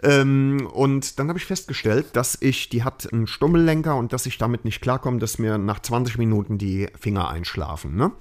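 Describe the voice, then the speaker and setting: A podcast host tells a story in a loose, chatty style packed with fillers and tag questions. His mid-range voice moves at a normal speed with hardly any pauses.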